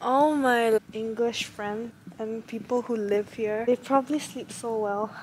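A woman's voice: on the high side, fairly even intonation, measured pace, darkish tone. A young woman from Malaysia chatting casually and giggling as she vlogs with a handheld camera. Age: young adult. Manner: giggly, chatty, often whispers at night. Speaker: vlogger. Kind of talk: casual vlog chat. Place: outdoors in snow and campus halls. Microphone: handheld camera at arm's length. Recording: noisy outdoor camera audio.

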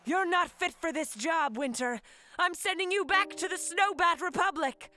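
A woman's voice: very high voice, moderate pace, bright, forceful tone. A woman voicing a bossy, exasperated griffin leader in a comic dub, curt and scolding. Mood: angry. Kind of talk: amateur animated comic dub acting. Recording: music behind the voice. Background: music.

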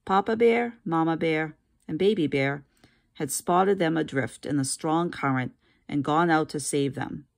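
A woman teacher reading a children's storybook aloud with expressive narration. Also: sits low, unhurried, creaky.

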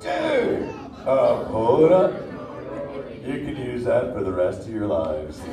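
A man's voice: medium pitch, wildly swooping pitch, slow pace, crowd noise. A man voicing a laid-back male surfer sea turtle who drawls "dude" and "man" through a live show. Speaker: live show performer talking with an audience. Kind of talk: live interactive theme show. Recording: roomy, distant mic, ambient noise.

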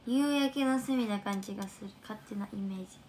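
A woman with a Kansai accent chatting casually on a livestream, reading viewer comments in a soft, chatty way that often sinks to a near whisper. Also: mid-range voice, fairly quick, background noise. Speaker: idol trainee livestreamer.

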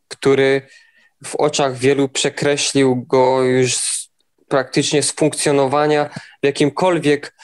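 A young man answering interview questions in an even, steady way, now and then restarting words. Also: medium pitch. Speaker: interviewed athlete.

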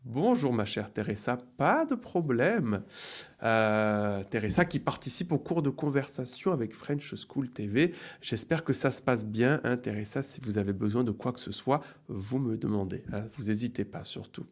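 A middle-aged man teaching a live online grammar lesson, reading example sentences slowly and cheering students on with upbeat praise. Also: mid-range voice, lively intonation. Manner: slow, deliberate, drawn-out delivery of example sentences; upbeat praise, playful sound effects. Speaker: French teacher.

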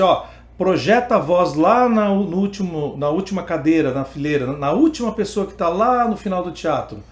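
A man's voice: fairly high pitch, darkish tone, echoey room. A man with a Brazilian Portuguese accent teaching an online singing lesson, explaining step by step between sung vowel demonstrations. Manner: explains step by step, then sings vowel examples.

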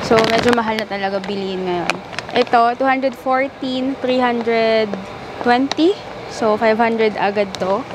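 A woman's voice: a little high, measured pace. Chatty young woman vlogging in a supermarket. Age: young adult. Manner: chatty, reads out prices and product names. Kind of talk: casual vlog narration while shopping. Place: large air-conditioned supermarket. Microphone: handheld camera at arm's length. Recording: noisy store ambience.

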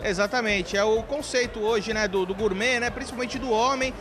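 A man with a Brazilian Portuguese accent, a sponsor guest explaining things in a relaxed way at a party. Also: high-pitched, moderate pace, crowd noise. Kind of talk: casual interview answers.

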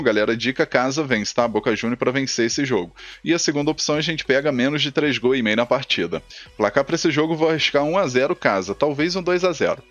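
A young Brazilian man with a Brazilian Portuguese accent, casually talking through football match picks and betting tips, peppering his talk with quick tag questions. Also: medium pitch, fairly bright tone, no room sound, dull audio. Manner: chatty, frequent "né?" and "tá, galera?" tags. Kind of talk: casual commentary over screen share.

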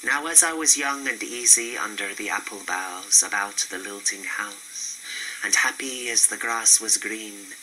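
A man reciting poetry in measured, declamatory phrases. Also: on the low side, sharp tone, low-quality recording. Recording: faint hiss and background noise.

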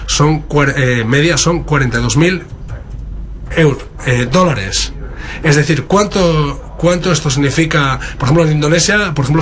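A man with a Spain Spanish accent gives a live interpretation of a keynote in a somewhat high voice. His phrasing comes in halting, stop-start bursts. A faint noise sits under the voice. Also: a bit bright.

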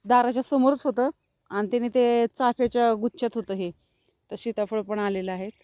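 A woman talks in a chatty, easygoing way as she walks a farm outdoors. Her voice sits a little high, and the sound is dry and close, like a handheld phone. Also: fairly even intonation, moderate pace, warm tone, clean tone, dry recording. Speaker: vlogger. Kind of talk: casual walk-around vlog narration. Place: outdoors on a rural farm among trees and cattle.

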